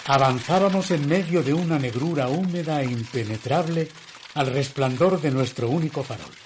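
An actor playing a reflective gentleman who narrates his own eerie tale in a radio drama, in a measured, literary manner. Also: a little high, a little hiss or hum, lightly acted. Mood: grave narrating. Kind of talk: scripted first-person radio drama narration.

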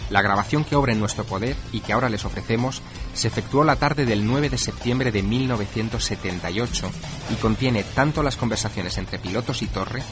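A man reading scripted documentary narration with measured, dramatic emphasis. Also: on the low side. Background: music.

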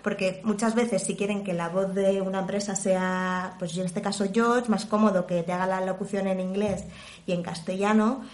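Spanish voiceover lady chatting away in a roomy space, clear diction, talks with her hands basically. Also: mid-range voice, moderate pace. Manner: animated, explains with examples and imitated sounds. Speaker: interview guest, professional voice-over artist and journalist. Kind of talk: relaxed conversational interview.

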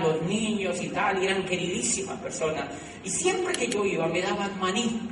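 A middle-aged Colombian man telling a live motivational story, animated, repeating phrases and laughing at himself. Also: high voice. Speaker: motivational speaker. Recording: echoey hall, from far off, noisy.

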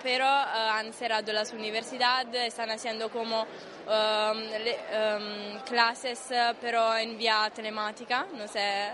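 Italian woman speaking slow halting Spanish. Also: fairly high pitch, flat delivery, a crowd in the background. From southern Italy. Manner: halting, searching for words. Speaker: exchange student. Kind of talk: interview answers.

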